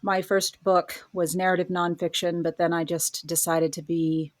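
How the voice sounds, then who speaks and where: A woman's voice: on the low side, level tone, normal speed, no echo. A middle-aged woman telling her own story in a casual interview, articulate and self-deprecating. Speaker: podcast guest, horror writer and college professor.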